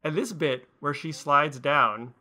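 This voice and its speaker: A man's voice: a little high, slow, sharp tone. A man giving casual, enthusiastic commentary as a show's creator.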